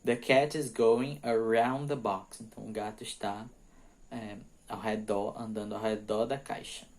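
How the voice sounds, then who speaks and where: A man teaching English prepositions, reading example sentences slowly and explaining them quickly, often checking in with "ok?". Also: on the low side, fairly even intonation, darkish tone. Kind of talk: bilingual grammar lesson.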